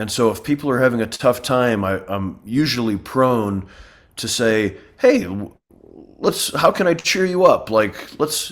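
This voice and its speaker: Fairly slow and with lively intonation, a man speaks at a medium pitch. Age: 50s. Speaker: actor. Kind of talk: interview answer.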